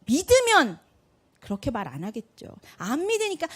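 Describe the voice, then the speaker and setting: A woman giving a lively parenting talk to an audience. She asks the audience questions, answers them herself, and acts out what parents and kids say in quick little voices. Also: high-pitched. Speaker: parenting speaker.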